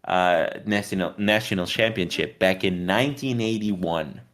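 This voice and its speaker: A man's voice: low-pitched, moderate pace, fairly bright tone. A man from Portugal co-hosting a casual sports podcast, talking bluntly with swearing and rambling explanations. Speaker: podcast co-host.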